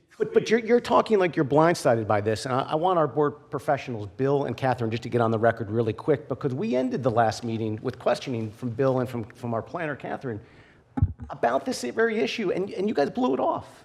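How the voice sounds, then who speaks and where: With music in the background, the speech runs at a very fast pace with lively intonation. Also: man, medium pitch for a man. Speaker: zoning board chairman. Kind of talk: public meeting discussion. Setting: zoning board meeting room.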